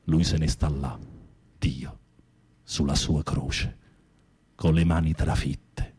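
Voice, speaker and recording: An actor playing a flamboyant gay male prisoner in a radio drama, a theatrical wounded romantic with a husky, breathy voice. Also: a bass voice, steady tone, slow, a little mellow, exaggerated voice. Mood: bitter, confessional. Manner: theatrical, swinging from confiding murmurs to camp exclamations.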